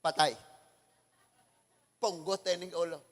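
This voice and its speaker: A man from the Philippines preaches with real animation, breaking into shouts and quoting scripture in English. His voice sits very high and sounds tense and bright. A long reverb trails behind him, as in a church hall. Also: a little slow. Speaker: pastor. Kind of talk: sermon.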